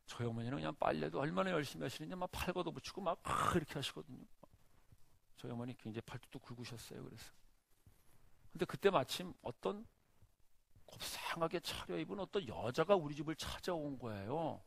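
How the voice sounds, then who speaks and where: A middle-aged male pastor preaching a sermon in a church, telling a story with lively acted-out scenes. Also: fairly high pitch, brisk, creaky. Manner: animated storyteller, acts out the scenes.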